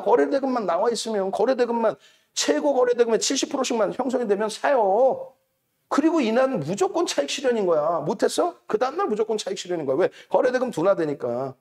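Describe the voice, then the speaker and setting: High lively-voiced man lecturing on stock charts. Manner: emphatic, repeats key numbers, mocks rivals as liars. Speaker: stock market show host.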